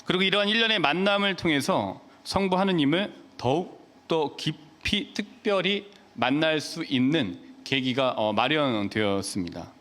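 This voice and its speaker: A man preaching a homily as a Catholic priest, his voice a little higher than most men's. He talks in a measured, gentle way, with unhurried pauses and soft filler sounds, and the church gives his words a long echo. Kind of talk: homily at Mass.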